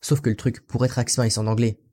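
A man's voice: medium pitch, steady tone, fairly quick, warm tone. A young man from France, an English teacher, telling his story casually in an interview, rambling and often tossing in "you know" and "so". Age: young adult.

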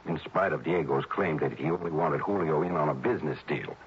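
An actor playing an earnest, worried male friend who explains in halting, hesitant phrases in an old radio drama. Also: a bass voice, breathy edge, exaggerated voice. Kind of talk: 1950s-60s radio drama acting. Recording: dull old radio broadcast.

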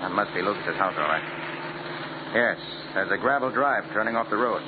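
An actor playing a confident, cool-headed private detective, crisp and commanding, in a 1940s radio drama. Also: male voice, on the low side, animated, moderate pace, phone-quality sound, natural voice. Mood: cool, intent. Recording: noisy, thin 1940s radio recording.

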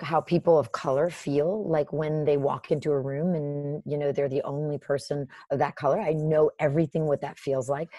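A woman guest in a casual interview, telling stories in a lively way with many "like" and "you know" fillers. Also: low-pitched, no room sound. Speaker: podcast guest.

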